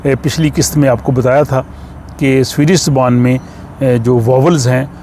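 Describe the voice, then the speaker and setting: Slow-teaching man, traffic hum behind. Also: medium pitch, fairly even intonation, warm tone. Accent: Urdu-speaking. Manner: slow, explaining with many fillers. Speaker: language teacher. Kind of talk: explaining a lesson.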